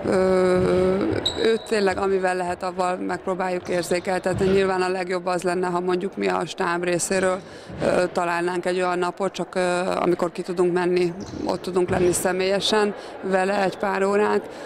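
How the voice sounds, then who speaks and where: A woman speaks in a monotone, flat intonation. The sound is dry with no echo, and background noise is noticeable. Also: moderate pace. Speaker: handball coach. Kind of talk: interview. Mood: calm, thoughtful. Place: hall. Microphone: handheld.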